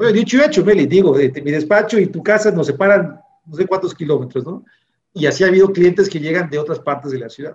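This man speaks very fast at a high pitch with lively intonation. His loudness swings widely. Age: 30s. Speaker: lawyer and broadcaster. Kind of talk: casual chat.

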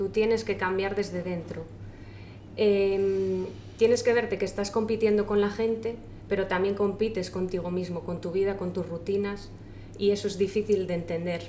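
A woman speaks at a moderate pace with a medium pitch. Her intonation is monotone and flat. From Asturias, Spain. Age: 30s. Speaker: police exam candidate. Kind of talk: testimony.

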